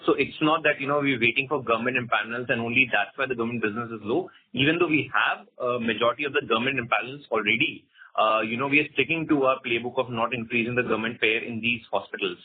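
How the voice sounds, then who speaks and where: A man's voice: mid-range voice, fast talker, husky. A man with an Indian accent speaking assertively as a company executive answering questions on an earnings call, with frequent "you know". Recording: muffled narrow phone conference line.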